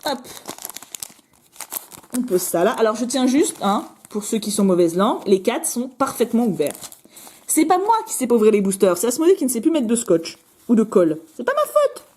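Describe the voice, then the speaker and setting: A bubbly French woman chats away as she opens card packs, her fairly high voice swooping up and down. She jokes at her own expense and throws in quick asides. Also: sing-song, warm tone, slightly rough. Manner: chatty, bubbly, self-mocking, quick asides. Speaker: card-opening video host. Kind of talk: casual chat while opening cards.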